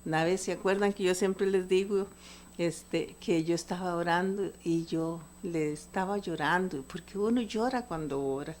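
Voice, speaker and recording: A woman's voice: fairly low pitch, normal speed, a little mellow, a little hiss or hum. Older woman preaching fervently. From Costa Rica. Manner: earnest, fervent, asks the listeners rhetorical questions. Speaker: lay preacher. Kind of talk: sermon.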